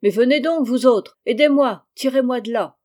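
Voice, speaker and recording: Woman doing a bullying schoolmaster, loud, blustering, mellow tone. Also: a little high, moderate pace, lightly acted. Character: stern bullying male schoolmaster. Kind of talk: audiobook reading.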